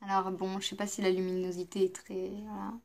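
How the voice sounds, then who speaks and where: A woman's voice: mid-range voice, monotone, a little fast, vocal fry, a little mellow. A woman vlogger chatting casually through a makeup palette review, hesitant and full of fillers. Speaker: beauty vlogger.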